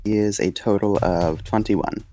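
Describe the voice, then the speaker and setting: Low-voiced man playing a tabletop game. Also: fairly even intonation, measured pace, mellow, faint music behind. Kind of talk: casual game chat, some in-character narration.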